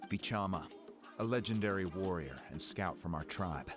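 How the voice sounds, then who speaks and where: An actor playing a calm, helpful tribal mentor in a video game, explaining things in a measured, encouraging way. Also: male voice, low-pitched, close to an everyday voice. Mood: calm, explanatory. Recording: game music clearly behind.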